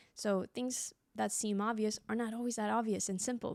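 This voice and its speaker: A woman talks at a fairly quick pace in an animated tone, her fairly high voice showing ordinary pitch variation, with a dry, close sound and no echo in a very clean recording with a silent background. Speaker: podcaster and professional organizer. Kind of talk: casual podcast monologue. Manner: fast.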